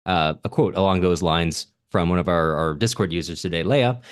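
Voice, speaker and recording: A man's voice: low voice, normal speed, clean tone, no room sound, studio quality. A man hosting a podcast, explaining background to literature in an unscripted, self-correcting way. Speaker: podcast host.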